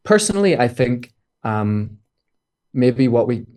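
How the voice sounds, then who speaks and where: A man talking as a guest physicist in an interview, explaining in a thoughtful, measured way. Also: medium pitch, sing-song, a little mellow. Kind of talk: casual interview talk.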